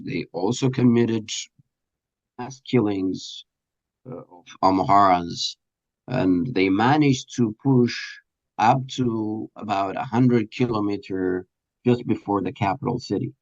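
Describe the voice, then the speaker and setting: A man being interviewed, explaining earnestly in a halting, deliberate way with pauses mid-sentence. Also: on the low side, darkish tone, dull audio. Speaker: radio presenter and producer being interviewed.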